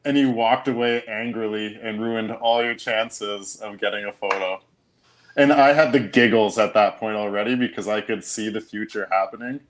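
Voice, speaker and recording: A man speaking as a guest on a podcast, his voice a little on the low side. He talks casually and sounds relaxed and amused. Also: normal speed. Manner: relaxed, amused, laughs often. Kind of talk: casual chat.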